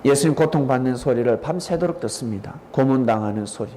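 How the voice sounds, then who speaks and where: A male pastor giving a dramatic storytelling sermon, pausing to quiz listeners by name. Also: mid-range voice, lively intonation, dark tone, slight background noise. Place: church sanctuary.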